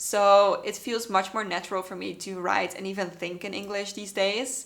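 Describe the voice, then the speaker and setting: In a Dutch accent, a woman speaks with ordinary pitch variation. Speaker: YouTuber and aspiring author. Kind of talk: casual Q&A vlog.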